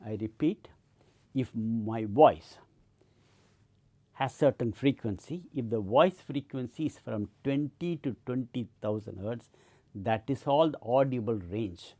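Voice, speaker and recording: A man's voice: medium pitch, unhurried, warm tone. A middle-aged man giving an explanatory lecture, often repeating and restarting his points. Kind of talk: educational lecture.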